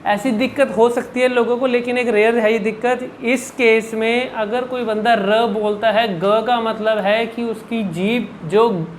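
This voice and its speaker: A speech and public speaking coach answers viewer questions in an instructional video, demonstrating each sound by repeating syllables and words. He has a very high voice, and the low-quality recording carries slight background noise.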